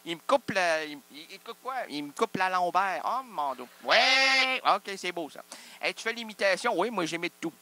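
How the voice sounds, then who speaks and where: A man's voice: high voice, wildly swooping pitch, a little slow, sharp tone. A man, hosting an improvised solo comedy show full of absurd, self-interrupting wordplay. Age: 30s. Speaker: host.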